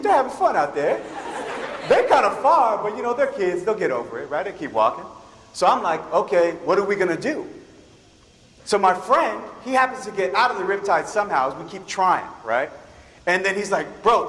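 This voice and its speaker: A man from Guam speaks as a keynote speaker to students and tells his story with lively energy, acting out each voice in it. His voice sits high for a man. The sound bounces around a large school hall with a long, ringing reverb. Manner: animated, acts out dialogue from his stories. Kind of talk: motivational storytelling talk to students.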